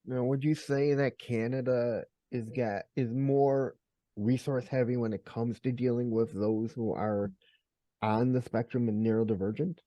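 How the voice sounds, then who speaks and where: A man hosts a podcast in a friendly, upbeat way, welcoming listeners and putting questions to his guest. His voice is warm and dark. The recording is close and dry, with no room sound. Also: mid-range voice, fairly even intonation, unhurried, no room sound. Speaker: podcast host. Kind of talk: podcast interview hosting.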